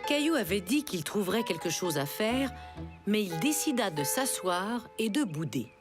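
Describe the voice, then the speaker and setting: A woman as the gentle narrator of a French-dubbed preschool cartoon, reading scripted storybook-style narration. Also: mid-range voice, big pitch swings, moderate pace, music in the background, natural voice. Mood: gentle storytelling.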